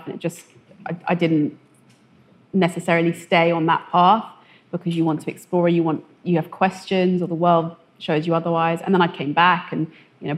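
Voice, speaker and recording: Hesitant woman telling her story. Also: on the low side. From West London. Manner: hesitant, filler-heavy, animated when quoting others. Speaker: testimony guest. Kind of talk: conversational testimony.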